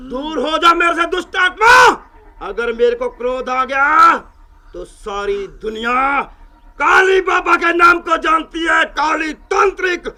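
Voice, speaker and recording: A pompous holy man blusters at a spirit with booming threats and grand titles, as an actor plays him. His voice sits very high and piercing, and he spells out each threat slowly. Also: pushed and bright, raised voice, heavily acted. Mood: blustering. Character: pompous male exorcist, boastful and theatrical.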